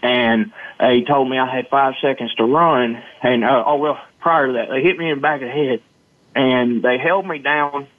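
A man's voice: medium pitch, steady tone, moderate pace, dry recording. A man from Arkansas with a Southern US accent, telling personal stories as an interview guest in a folksy, earnest manner. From Arkansas, United States. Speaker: guest, motivational storyteller. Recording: muffled phone-like line, dry.

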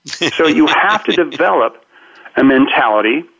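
Animated man on a phone line. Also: on the high side, a little slow, creaky, breathy edge. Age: 50s. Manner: animated storyteller, acts out quoted voices. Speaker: guest. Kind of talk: radio interview.

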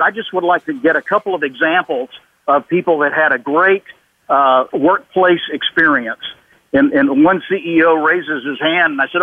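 A man's voice: a little high, narrow, tinny audio. A man giving a conversational radio interview as an expert guest, emphatic, often repeating words and acting out quoted remarks. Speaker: interview guest, business author and consultant.

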